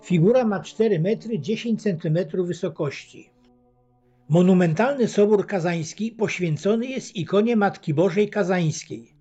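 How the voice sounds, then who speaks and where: A man narrates a travel film in a measured, scripted voice-over. His voice sits high but sounds dark and husky. The recording is dull and lo-fi. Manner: even, measured reading of facts and figures. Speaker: documentary narrator. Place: voice-over, not recorded at the pictured site. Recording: dull lo-fi voice-over with faint choir music.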